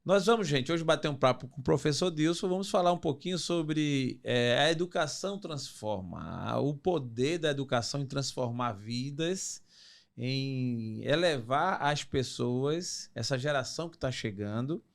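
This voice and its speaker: A man's voice: medium pitch, lively intonation, measured pace, creaky. A man, hosting a podcast in an effusive, blessing-filled chat. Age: 50s. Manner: effusive, warm greetings and blessings. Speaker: podcast host. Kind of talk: casual interview chat.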